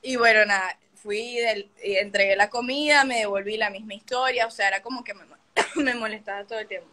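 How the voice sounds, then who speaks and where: A woman's voice: medium pitch, a little fast, sharp tone. A young woman, hosting a livestream and telling a story casually and animatedly, swearing often and acting out the scenes. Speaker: livestream host.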